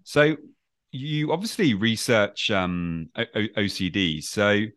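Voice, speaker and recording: A man's voice: on the low side, big pitch swings, slow, fairly bright tone, dry recording, studio quality. A man hosting a podcast, friendly and hesitant, with many uhs and restarts. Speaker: podcast host and coach. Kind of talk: podcast intro and interview.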